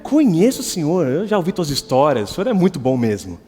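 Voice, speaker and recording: A man voicing an eager, excited young boy with a high, pleading voice. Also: quick pace. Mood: earnest. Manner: breathless, pleading, high and loud. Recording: reverberant church hall, faint guitar.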